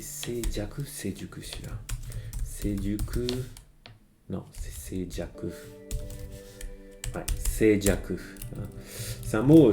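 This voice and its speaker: Brief: lowish male voice, a language teacher on a stream who hesitates a lot, soft music underneath. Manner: hesitant, many fillers and restarts. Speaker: Japanese teacher. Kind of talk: live-stream song lyric lesson. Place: home streaming setup.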